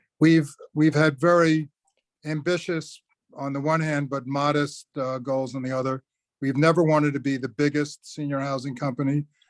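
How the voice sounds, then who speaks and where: With a New York accent, a man speaks at a moderate pace in a fairly high pitch and a monotone, flat intonation. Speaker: senior living company founder. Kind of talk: public meeting presentation. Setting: remote video meeting. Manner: halting, many fillers.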